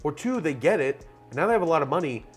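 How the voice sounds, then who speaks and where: A man with a raspy voice talking casually and animatedly about a film, in long run-on thoughts full of fillers. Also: a little high, big pitch swings, fast talker, soft background music. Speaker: podcast host.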